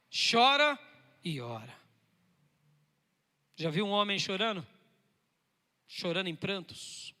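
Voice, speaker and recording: High, bright-voiced preaching man. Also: big-room sound. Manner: emphatic preaching with sudden loud and soft turns. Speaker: pastor. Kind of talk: sermon.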